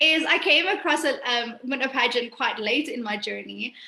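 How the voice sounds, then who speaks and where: A woman projects a raised voice. She speaks with a South African accent. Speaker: pageant contestant. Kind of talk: testimonial interview.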